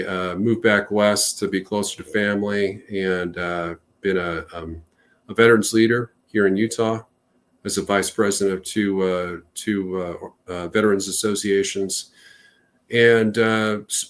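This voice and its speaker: A lower-voiced American man in his fifties talks through his answers as an interview guest. He leans hard on fillers like "uh" and "um" and often backs up mid-sentence to rephrase. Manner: hesitant, many uh and um fillers, restarts. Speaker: national security strategist guest. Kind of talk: interview answers, recounting career.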